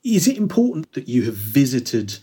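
A man hosting an interview from his flat, chatty and enthusiastic, often laughing. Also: mid-range voice, moderate pace, breathy edge. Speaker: host. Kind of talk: casual interview chat. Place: flat in London.

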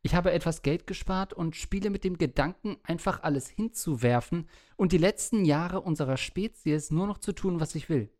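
A man's voice: on the high side, moderate pace, darkish tone. A man hosting a podcast who reads listener letters aloud and chats in a dry, teasing, matter-of-fact way. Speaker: podcast host reading listener mail. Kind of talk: casual chat and reading letters aloud.

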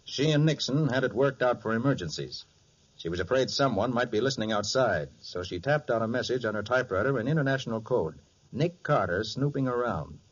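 An actor playing a confident, sharp private detective in a 1940s radio crime drama, explaining things in an assured, emphatic way. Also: male voice, medium pitch, animated, brisk, breathy edge. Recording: dull lo-fi 1940s radio recording.

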